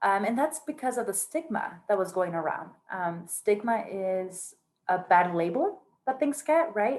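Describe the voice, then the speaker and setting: A woman with a Spanish accent speaks at a fairly slow pace and medium pitch, her voice making very wide pitch swings. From Mammoth Lakes, California, US. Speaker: teaching artist and behavioral health worker. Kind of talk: workshop talk. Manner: halting, many fillers.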